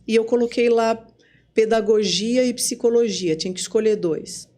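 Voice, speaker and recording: A woman with a Brazilian Portuguese accent, a psychologist speaking as a podcast guest and telling her story in a casual, lively way, acting out remembered conversations. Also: fairly high pitch, normal speed. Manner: lively storyteller who acts out remembered dialogue. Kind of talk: casual spoken testimony.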